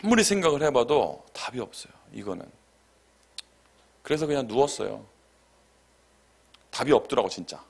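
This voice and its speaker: A man's voice: medium pitch, very animated, moderate pace, creaky, long pauses, slightly rough. A man preaching a Friday night sermon as pastor, telling a personal story in a chatty, conversational way. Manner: conversational storytelling with acted quotes and laughter. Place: church sanctuary.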